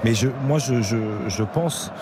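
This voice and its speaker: A man analysing a live football match conversationally, halting and often repeating words as he goes. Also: medium pitch. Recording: loud background noise, stadium broadcast.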